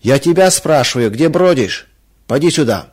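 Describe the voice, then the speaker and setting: A man voicing a drunken, brutal shoemaker master who barks hoarse threats in a children's story. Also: medium pitch, sing-song, a little fast. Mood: angry drunk. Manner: shouting, hoarse threatening bark.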